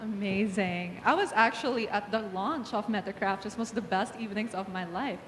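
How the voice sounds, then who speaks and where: A woman's voice: medium pitch, normal speed, a bit bright, a little hiss or hum. A woman from the Philippines moderating a live panel on stage, upbeat and welcoming. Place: large event hall on stage. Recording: long hall reverb, faint crowd ambience.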